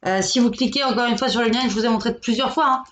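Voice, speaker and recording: A woman's voice: on the high side, fast, a bit bright, slight background noise. A woman selling jewelry on a live shopping stream, chatty and joking as she pushes viewers to buy. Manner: chatty, joking, pushy salesy banter. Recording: echoey room, dull lo-fi sound.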